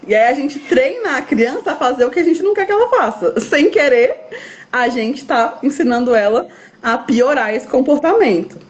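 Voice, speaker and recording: A woman's voice: high-pitched, expressive, moderate pace, lo-fi sound. A Brazilian woman, a guest specialist, explaining step by step and acting out what parents and children say. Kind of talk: explanatory interview talk.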